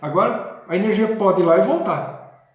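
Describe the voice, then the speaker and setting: A man's voice: sits high, animated, moderate pace. A man talking in a rambling, casual way with many restarts and checking questions, as host of his own video. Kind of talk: casual spoken talk on spirituality. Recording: very echoey room.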